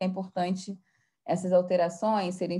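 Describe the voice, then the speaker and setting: A woman's dark, mellow voice, medium in pitch, moves at a fairly slow pace in monotone, flat intonation on a very clean recording with a silent background. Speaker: training instructor for graduate program staff. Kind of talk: software training tutorial.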